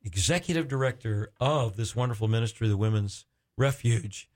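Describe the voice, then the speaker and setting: A man hosting a Christian talk radio interview, speaking effusively but haltingly as he searches for his words. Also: medium pitch, a little mellow. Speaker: radio show host.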